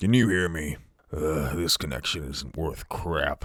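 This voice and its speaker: In a put-on character voice, a man growls with a raspy, very deep, low pitch. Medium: read story. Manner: gruff, sardonic, offhand.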